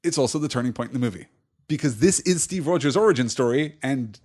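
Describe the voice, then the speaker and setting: A man's voice: mid-range voice, animated, fast, a little mellow. A man co-hosting a podcast, talking casually and analytically about films and comics as he explains things. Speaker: podcast co-host. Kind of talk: casual film and comics discussion.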